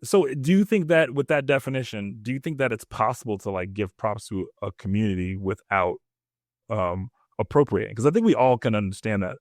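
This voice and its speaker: A man's voice: lowish voice, brisk, darkish tone, no room sound, studio quality. A man hosting a casual podcast discussion, informal and often checking back with questions. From Nigeria or Nigerian family. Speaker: podcast host moderating.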